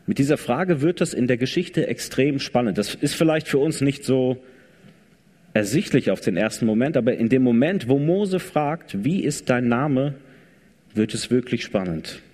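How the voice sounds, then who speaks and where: A man's voice: medium pitch, animated, moderate pace, darkish tone. A man preaching a sermon in a casual, conversational way, retelling scripture dramatically. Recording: long reverb of a large hall. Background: congregation.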